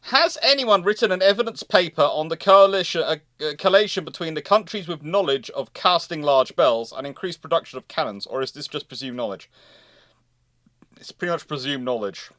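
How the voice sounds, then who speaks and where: A man hosts a casual livestream in a slightly high voice, recorded dry and close. He talks emphatically, repeating words and wandering off into asides as he answers. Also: animated, brisk, fairly bright tone, no room sound. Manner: emphatic, stammering repetitions, digressive. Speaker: livestream host. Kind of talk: casual live chat and question answering.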